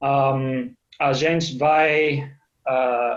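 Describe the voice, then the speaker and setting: Fairly high-pitched male voice with a non-native accent and monotone, flat intonation. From Germany. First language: German (speaking Portuguese). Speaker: immigration lawyer. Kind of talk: webinar presentation. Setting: online webinar. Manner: halting, many fillers.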